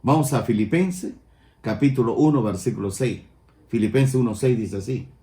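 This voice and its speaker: An older man with a Peruvian Spanish accent, preaching a sermon as pastor and rising loud on his key points. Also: medium pitch, normal speed, roomy sound. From Peru.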